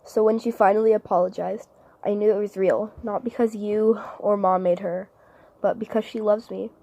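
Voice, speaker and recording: A woman playing an earnest twelve-year-old girl in an audition monologue, soft-spoken, halting and sincere as she pleads with her father. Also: mid-range voice, fairly even intonation, dry recording, natural voice. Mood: wistful, confiding.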